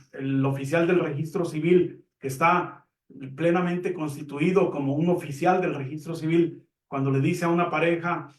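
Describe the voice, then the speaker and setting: A man giving a calm, measured religious lesson, explaining with simple examples. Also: on the high side. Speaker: Catholic teacher on a program. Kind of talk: reflective religious teaching. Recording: echoey room, mic at a distance.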